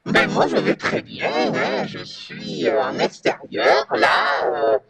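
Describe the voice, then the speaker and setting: A man speaking outdoors as a mystery radio guest, teasing his questioners in a deadpan way. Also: slow pace. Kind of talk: playful guessing-game interview answers. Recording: crowd noise behind, speaking outdoors.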